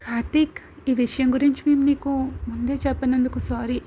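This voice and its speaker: A woman's voice: sits high, little pitch movement, fairly quick, dark tone, slight background noise, close to an everyday voice. A woman doing an apologetic middle-aged mother. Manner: apologetic and firm.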